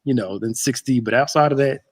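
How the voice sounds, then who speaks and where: A man's voice: medium pitch, fairly quick, breathy edge. A man in his thirties, a pastor hosting a casual chat show from a church sanctuary, laid-back and joking. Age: 30s.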